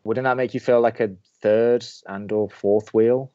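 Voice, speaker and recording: A grumpy young college radio host played by a man, cynical and sardonic. His mid-pitched voice delivers dry, exasperated banter in a comedy podcast drama. The recording sounds slightly dull and lo-fi. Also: fairly even intonation, a little slow, mellow, lightly acted. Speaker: actor in a romantic comedy podcast.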